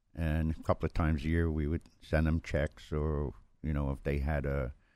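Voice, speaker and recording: A man with a New York accent speaks at a moderate pace in a very deep, low voice. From New York City. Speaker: charity founder and demolition contractor. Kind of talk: casual interview chat.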